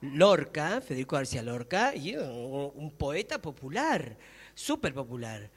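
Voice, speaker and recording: A man with an Argentine accent discussing his views at a public talk, emphatic and halting, repeating himself. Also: fairly high pitch, sing-song, husky. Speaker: guest speaker. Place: public talk room in a library. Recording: echoey hall reverb.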